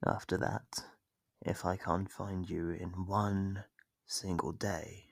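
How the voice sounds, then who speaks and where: A man playing a sadistic monster in an ASMR horror roleplay, taunting captive prey with mock politeness in a gravelly, husky, whispery-edged voice, close to the microphone. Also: deep voice, little pitch movement, slow pace, dry recording, exaggerated voice. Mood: smug, menacing. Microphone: close, dry microphone.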